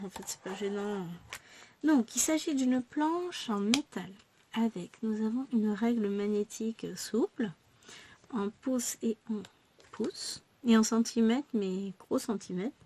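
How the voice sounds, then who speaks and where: A woman's voice: on the high side, background noise. A woman chatting casually through a craft shopping haul, self-mocking and exclaiming over each item.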